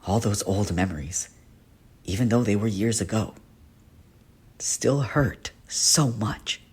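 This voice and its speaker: A man playing a gentle guardian teacher haunted by his past in a dramatic monologue, with a husky, earnest, confiding delivery. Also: on the low side, takes it slowly, full character voice. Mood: earnest, reflective, then hurting, confessional. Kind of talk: dramatic character monologue for a voice reel.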